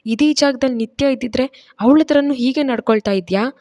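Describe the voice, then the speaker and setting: A woman's voice: sits high, moderate pace, darkish tone, voice pushed up. A stern, righteous young husband from an audio story, voiced by a woman narrator in her own voice. He speaks in a reproachful, lecturing tone.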